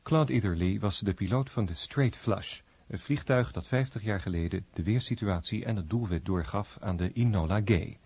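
A man giving a scripted introduction as a radio announcer, with a husky voice. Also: on the low side, normal speed, hardly any pauses, darkish tone, dry recording, muffled recording.

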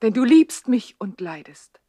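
An actress playing an imperious, passionate noblewoman in a 1960s German radio play, with a breathy, theatrical delivery. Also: on the high side, big pitch swings, measured pace, mellow, no echo. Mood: taunting. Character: imperious, passionate noblewoman lover, teasing and capricious.

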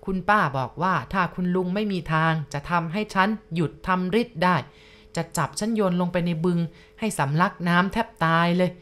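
A woman with a lowish voice narrates a ghost story in the first person. She speaks slowly and confidingly and turns to the listener now and then. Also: fairly bright tone. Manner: slow, confiding, addresses the listener directly.

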